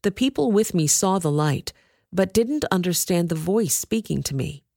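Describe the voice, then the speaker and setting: A woman narrating a scripture reading in a measured, expressive way. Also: on the low side, gravelly, no echo, studio quality. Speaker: reader.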